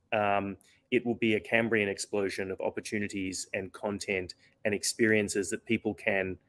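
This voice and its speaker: A man being interviewed as a company founder, explaining earnestly with frequent fillers and restarts while his voice is going hoarse. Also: fairly low pitch. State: losing his voice. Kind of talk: conversational interview answer.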